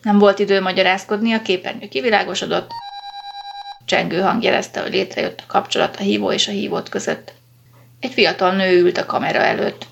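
Gravelly woman reading a story. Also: medium pitch, steady tone, muffled recording. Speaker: narrator. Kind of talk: audiobook reading.

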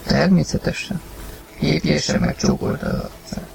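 A man reading a story aloud, narrating and acting the husband's lines with sudden loud outbursts. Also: on the high side, steady tone, vocal fry, slight background noise. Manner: acted, rising to shouts in heated lines. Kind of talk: dramatized audiobook reading.

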